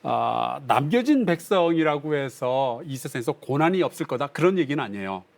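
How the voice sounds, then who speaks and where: Man, pastor, bible lesson, slightly high pitch, conversational teaching, reads scripture aloud. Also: big pitch swings, moderate pace, vocal fry, a little mellow. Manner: reads scripture aloud, acts out drunk voices playfully.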